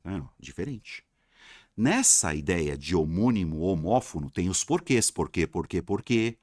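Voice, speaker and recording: A man teaching a lesson in a low voice whose pitch leaps around with energy. He repeats key words for emphasis and voices his students' questions himself. The sound is close and dry, with no room echo. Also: expressive, unhurried, darkish tone. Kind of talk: video lesson.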